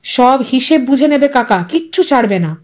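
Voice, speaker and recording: A woman's voice: high voice, expressive, moderate pace, a little mellow. A woman voicing a young village man in an audiostory, guilt-ridden, earnest and insistent. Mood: agitated, urging.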